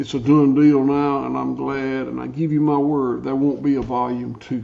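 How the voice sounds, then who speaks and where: A man speaks at medium pitch and a moderate pace with monotone, flat intonation. His tone is dark and mellow, and the room echo is audible. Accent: Southern US. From US South. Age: 60s. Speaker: farmer. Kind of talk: podcast interview.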